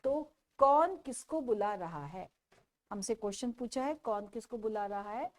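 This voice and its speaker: A woman's voice: fairly high pitch, animated. A patient woman teaching young children. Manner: repeats questions and answers slowly for young children. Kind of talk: explaining a children's textbook lesson.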